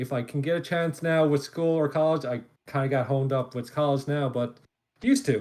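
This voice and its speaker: A man with a Newfoundland accent talks at a fairly quick pace. His fairly high voice has flat, monotone intonation. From Newfoundland, Canada. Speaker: podcast co-host. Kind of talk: casual chat. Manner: fast.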